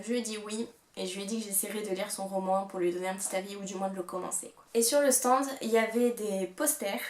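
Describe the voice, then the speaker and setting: A woman's voice: medium pitch, reverberant, slight background noise. A young woman with a French accent chatting casually through a book haul vlog, with many fillers, recorded at home on a camera mic. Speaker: book vlogger.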